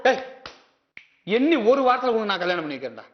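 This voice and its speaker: A man's voice: high voice, sing-song, quick pace. A man with a Tamil Nadu accent acting a teasing, blustering best friend in a scripted comedy sketch. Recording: dull TV audio with noise.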